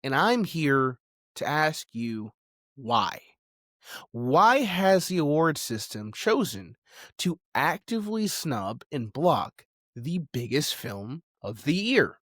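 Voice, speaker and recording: A man hosting a video essay, speaking in a conversational, emphatic way with dramatic pauses. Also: a little high, big pitch swings, a bit bright, no echo, studio quality. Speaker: podcast host and video essayist.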